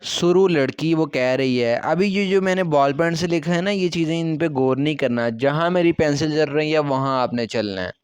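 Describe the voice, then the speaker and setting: A man with an Urdu accent teaches from a textbook in a patient, step-by-step way. His voice is smooth and resonant and sits a little high. The close recording is dry, with no room sound. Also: normal speed, dry recording. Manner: patient, repeats key words, checks with "theek hai". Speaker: Korean language teacher. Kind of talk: explaining a textbook lesson.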